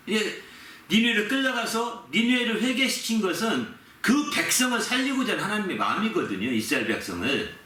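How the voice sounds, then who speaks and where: A male pastor preaches a sermon with a bright, forceful voice that leaps up and down in pitch. He tells the story with animation and hammers key words again and again. He is recorded from some distance in a roomy, echoey church. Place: church sanctuary. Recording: echoey room, mic at a distance.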